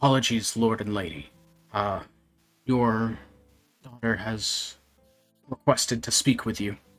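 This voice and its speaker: Over faint background music, a man puts on a character voice at medium pitch, keeping a moderate pace with long, frequent pauses. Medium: actual play. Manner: formal, courteous.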